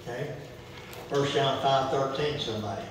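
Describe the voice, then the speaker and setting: A man's voice: medium pitch, moderate pace, background noise. A middle-aged man leading a church Bible study, quoting scripture and prompting the group with questions. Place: church fellowship hall. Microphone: far camera. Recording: echoey hall from far off.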